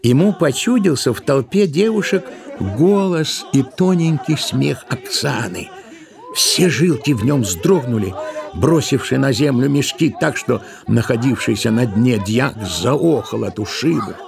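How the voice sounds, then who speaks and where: A man narrating a literary tale for an audio drama, with expressive storytelling delivery. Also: mid-range voice, measured pace, gravelly, over music.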